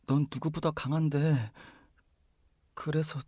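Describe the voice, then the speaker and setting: A gentle young man in an audio drama, tender and hesitant, speaking slowly as a loyal friend would. His soft voice is husky and close in a dry recording. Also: a little high, little pitch movement, no echo. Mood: gentle concern.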